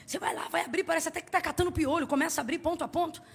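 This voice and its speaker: Woman preacher, very high voice, emphatic, calls for responses. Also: fairly even intonation, rapid-fire, vocal fry. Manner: emphatic, swings from soft to loud; asks the congregation to respond. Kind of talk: sermon.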